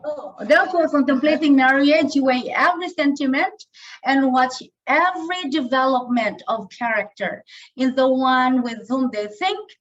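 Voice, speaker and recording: A hoarse woman speaks on a video call in a high voice. She talks to her listeners directly and keeps checking that they follow. The call audio sounds dull and lo-fi. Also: unhurried. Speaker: guest speaker, wife. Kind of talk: talk to a church youth group.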